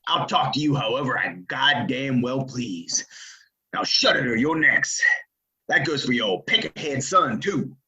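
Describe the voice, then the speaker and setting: A forceful, menacing frontier colonel acted by a man with lively swings in pitch. He threatens in folksy Western talk, commanding and vengeful, on a slightly dull recording. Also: unhurried. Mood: threatening. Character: ruthless, menacing Old West outlaw colonel, commanding and vengeful. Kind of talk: Western audio drama acting.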